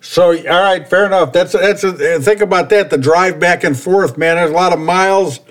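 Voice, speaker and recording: High-voiced stammering man hosting an interview. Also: moderate pace. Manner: rambling, stammers and repeats words, folksy. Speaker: podcast host. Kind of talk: casual interview chat.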